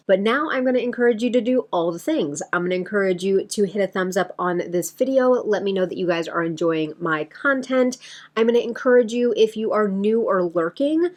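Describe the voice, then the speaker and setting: A woman's voice: medium pitch, darkish tone. A woman talking casually to her viewers as a beauty vlogger, in a chatty, rambling way that addresses them directly. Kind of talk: casual chatty vlog to camera.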